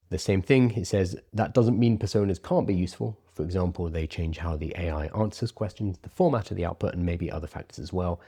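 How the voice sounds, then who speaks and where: A man's voice: sits low, slightly rough. A man presenting a lesson conversationally, informal and explanatory, stressing key points, with R's that sound like W's. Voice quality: soft R's pronounced like W's. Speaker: presenter teaching prompt writing.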